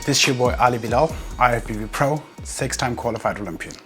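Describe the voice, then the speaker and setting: A man's voice: medium pitch, fast talker, music in the background. A man from Afghanistan, a professional bodybuilder, telling his life story in an earnest, determined interview monologue.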